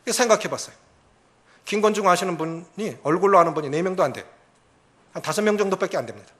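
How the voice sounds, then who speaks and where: Animated pastor preaching. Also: male voice, high-pitched, fast talker. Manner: animated, acts out angry prayers and calls for congregation to repeat. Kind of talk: sermon. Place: church sanctuary.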